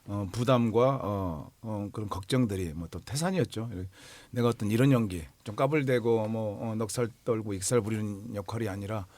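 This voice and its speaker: A man in his forties, an actor, talking earnestly about a role in an interview, pausing often to find his words. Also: fairly low pitch, a little mellow, no room sound. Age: 40s. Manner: earnest, searching for words with many fillers. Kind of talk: film promotion interview.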